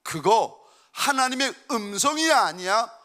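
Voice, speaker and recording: A man's voice: very high-pitched, very animated, unhurried, sharp tone, voice pushed up, heavily acted. A man voicing his curious young teenage daughter in plain, lightly acted quotes. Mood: questioning.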